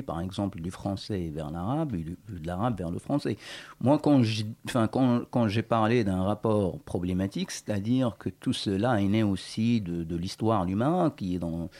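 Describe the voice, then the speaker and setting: A man's voice: fairly low pitch, mellow. A man in his forties from Morocco, a writer and guest in a radio interview, talking thoughtfully with many hesitations and restarts.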